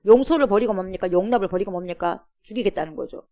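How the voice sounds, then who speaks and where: A woman's voice: mid-range voice, fast, dark tone. A woman pastor giving a sermon at a church, preaching emphatically and asking the congregation repeated rhetorical questions.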